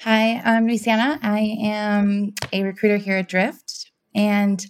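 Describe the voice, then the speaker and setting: A woman's voice: medium pitch, completely flat delivery, slow, smooth. A woman from Massachusetts, a podcast guest, speaking briefly and in a friendly way, a little away from the mic. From Massachusetts, United States. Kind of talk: casual self-introduction.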